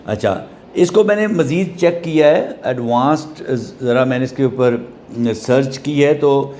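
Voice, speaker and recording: A man teaching a class, spelling words out slowly letter by letter and checking in with short questions. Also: mid-range voice, a little mellow, slight background noise. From Pakistan. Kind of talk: classroom lesson explaining English syllables.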